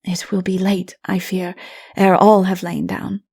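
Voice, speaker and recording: Humble fantasy hero read by a woman, male, earnest and reverent, with a soft, creaky delivery. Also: lowish voice, little pitch movement, measured pace, exaggerated voice. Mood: questioning. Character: humble, wondering man, narrator hero of dark fantasy.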